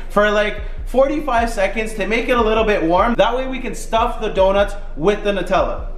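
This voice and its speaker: The recording has audible room echo. Faint music plays in the background. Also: man. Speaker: cooking vlogger. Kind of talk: casual cooking tutorial. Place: kitchen. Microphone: phone near.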